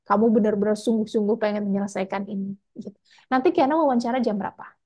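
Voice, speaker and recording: A woman's voice: medium pitch, quick pace, mellow. A woman scholarship mentor giving casual, chatty feedback after a mock interview over a video call. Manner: casual, chatty, frequent tag words.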